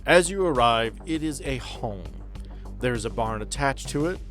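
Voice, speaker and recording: A man narrating a tabletop game as game master, setting scenes in a conversational, halting way. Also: mid-range voice, expressive, a bit bright, soft background music.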